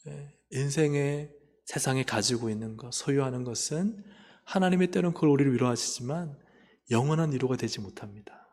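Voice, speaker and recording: A man preaching a sermon as pastor, impassioned, swinging from loud high cries down to near whispers. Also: a little fast, slightly rough, long reverb tail. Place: church sanctuary.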